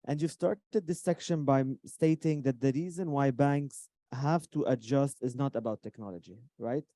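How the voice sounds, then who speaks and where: Man interviewer with a dark, dry voice. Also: mid-range voice, moderate pace, dry recording. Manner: enthusiastic, stumbles over words. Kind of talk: interview questions.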